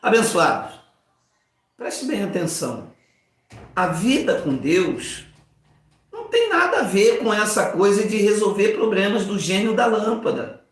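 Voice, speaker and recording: A pastor in his fifties delivers an informal, animated sermon, acting out voices and jokes. His voice sits high and moves a little slowly, and the room is very echoey.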